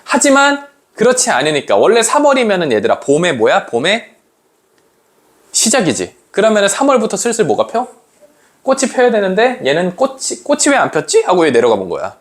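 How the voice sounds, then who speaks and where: A man teaching literature to students in a lively lecture, asking them questions and acting out quoted lines. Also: sits high, fairly quick.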